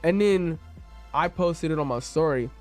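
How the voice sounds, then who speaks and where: A man's voice: a little high, measured pace, soft background music. A young man chatting as a guest, retelling events by quoting himself and laughing often. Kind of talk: casual interview chat.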